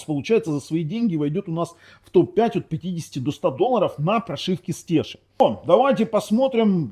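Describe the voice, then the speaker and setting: A man whose first language is Ukrainian walks through a TV box demo in a loose, rambling way, stopping to correct himself and to throw in sarcastic asides. His voice is fairly high and mellow, and his pitch swings a lot. He sounds like a casual reviewer talking from home. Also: husky. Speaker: tech reviewer. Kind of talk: casual product demo talk.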